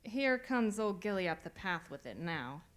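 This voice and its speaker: A woman's voice: mid-range voice, very animated, normal speed, lightly acted. A woman playing a crabby, blunt village landlady in a radio play, with a grumbling, gossipy manner. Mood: bluntly gossipy. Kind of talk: radio theatre acting.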